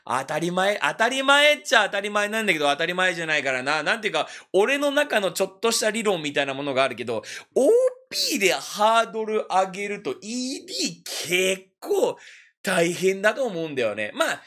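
A man hosting casual anime reaction commentary, animated and self-mocking, laughing often between phrases. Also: sits high, brisk. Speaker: anime reaction channel host.

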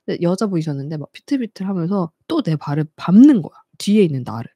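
A young woman chats on a live stream, her pitch swinging widely as she laughs and acts out the people in her stories. The voice is mellow and a little husky. It is recorded close and dry. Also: fast, no room sound. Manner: lively, laughs often, acts out quoted people. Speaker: YouTube host. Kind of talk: casual live-stream storytelling.

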